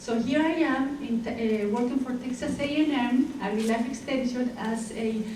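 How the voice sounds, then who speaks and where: A woman with an Argentine accent speaks in a high, flat monotone, with noticeable background noise and audible room echo. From Argentina, Buenos Aires. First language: Spanish. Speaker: nutrition educator. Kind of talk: lecture. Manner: halting, many fillers.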